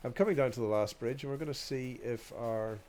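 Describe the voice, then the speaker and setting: A man with a cold talks in a stuffed-up, nasal voice and wanders from point to point, full of ums and false starts. He is hosting a relaxed walk-along video at a middle pitch, with a faint hum of ambience behind him. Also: fairly quick. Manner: meandering, hesitant, many ums and restarts. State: stuffy nose from a cold, coughing. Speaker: video host. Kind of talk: rambling walk-along commentary.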